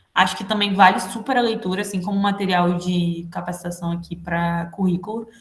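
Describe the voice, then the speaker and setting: Noticeable background noise sits behind a woman speaking at a fairly quick pace. Her pitch is medium and her intonation fairly even. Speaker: trainer at a student organization. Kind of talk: training session. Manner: fast.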